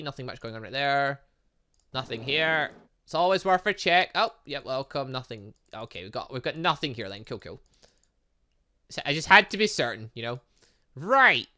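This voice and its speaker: Fairly high in pitch, bright and forceful, a male gaming host chats through a visual novel let's play. He reads pieces of the game's text aloud and mutters to himself while thinking through what he sees.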